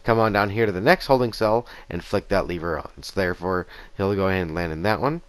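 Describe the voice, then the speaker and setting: A man in his thirties narrates his gameplay in an easygoing, rambling way, his voice raspy and a touch low. The sound is close and dry, picked up by a headset mic in a small home room. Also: quick pace, no echo. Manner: easygoing, rambling with fillers and restarts. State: raspy voice after a concert. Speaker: gaming channel host. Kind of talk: casual gameplay commentary. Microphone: gaming headset.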